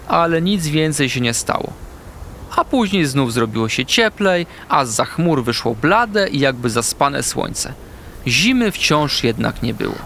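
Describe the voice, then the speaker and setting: A man narrating a children's fairy tale in an expressive storytelling manner. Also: fairly high pitch, a little hiss or hum.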